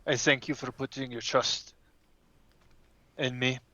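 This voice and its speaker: A man roleplays at a tabletop game in a mid-pitched voice. His phrasing is deliberate and measured, and the recording is dry and a little muffled. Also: steady tone, sharp tone, no room sound. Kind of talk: in-character roleplay mixed with casual play.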